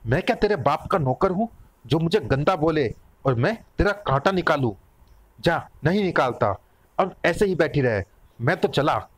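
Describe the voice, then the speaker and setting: Gruff bossy wolf-kin man, hot-tempered, animated delivery, dry close sound, voiced by a man. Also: a little high, moderate pace, dry recording. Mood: scornful.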